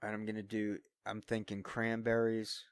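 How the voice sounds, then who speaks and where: A man's voice: on the low side, completely flat delivery, normal speed, clear, resonant tone, no echo, clean studio sound. A man talking to himself on a solo vlog, his voice gone scratchy from singing, self-deprecating and thinking aloud. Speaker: solo vlogger. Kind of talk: unscripted rambling between singing attempts. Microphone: studio-quality microphone.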